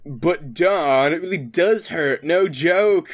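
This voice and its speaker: A man's voice: fairly high pitch, slow pace. A man voicing a goofy young male turtle who pleads and whines in a comedic fanfic reading. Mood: whiny.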